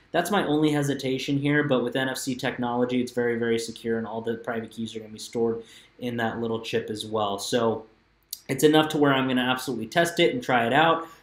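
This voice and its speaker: The man talks at a very fast pace with ordinary pitch variation. Audible room echo surrounds his voice. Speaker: crypto YouTuber reviewing hardware wallets. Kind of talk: product review video. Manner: halting, many filler words. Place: home room. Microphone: webcam.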